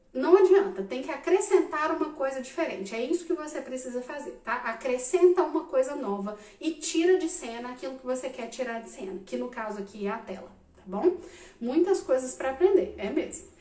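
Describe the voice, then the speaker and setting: A woman in her thirties, a psychologist giving animated casual advice to parents, often checking in with "tá?". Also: high voice, fairly quick. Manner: animated, addresses listeners directly with frequent "tá?". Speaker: psychologist answering parents' questions. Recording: roomy echo, mic at a distance.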